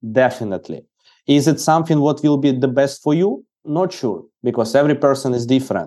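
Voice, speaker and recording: The voice belongs to a man with a medium pitch. His tone is dark and mellow. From Ukraine. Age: 20s. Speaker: e-commerce agency founder. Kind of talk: interview.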